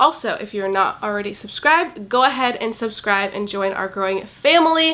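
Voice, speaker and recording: Over noticeable background noise, a woman talks in an animated tone at a fairly high pitch. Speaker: vlogger. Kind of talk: casual vlog update. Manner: chatty, animated.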